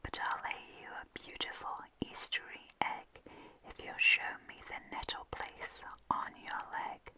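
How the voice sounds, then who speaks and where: A reader voicing a kind little female black hen in a soft, unvoiced whisper, as part of a whispered poem reading. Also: measured pace, lightly acted. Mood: gentle.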